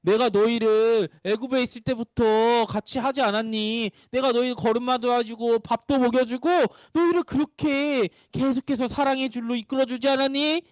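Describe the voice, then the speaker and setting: Pastor doing a tender God calling his children, soft, coaxing, reassuring, high voice. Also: steady tone, normal speed, hardly any pauses, no echo.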